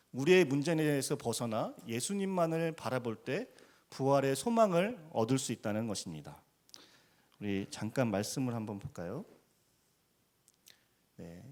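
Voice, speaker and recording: A man's voice: mid-range voice, a little mellow. A man preaching a sermon as a missionary in a church, earnest, acting out quoted cries with rising emphasis. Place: church sanctuary.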